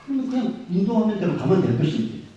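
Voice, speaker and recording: A middle-aged man preaching a Sunday sermon as senior pastor. He swings between loud exhortation and quiet asides, and acts out the grumbling voices of the people he quotes. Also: high-pitched, very animated, fast, dull audio. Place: large church sanctuary. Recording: very echoey sanctuary, voice from far off.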